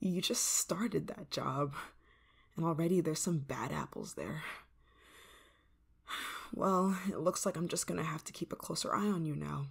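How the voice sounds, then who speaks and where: A woman's voice: low voice, measured pace, vocal fry, pauses often, breathy edge, heavily acted. A woman playing a sweetly obsessive yandere neighbor. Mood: menacing. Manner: soft-spoken, drops to whispers, sweet with creeping menace. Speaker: ASMR roleplay performer. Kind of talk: ASMR roleplay.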